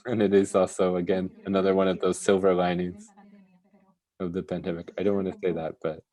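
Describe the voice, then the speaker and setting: An interpreter rendering a panel discussion into English live, in halting phrases with pauses. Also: sits low, level tone, dark tone.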